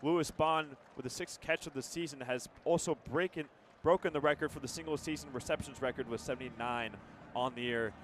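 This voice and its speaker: A man's voice: medium pitch, fairly even intonation, brisk, a bit bright, slight background noise. A young man with an American accent giving conversational live football analysis on radio, now and then stumbling over words. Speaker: color commentator.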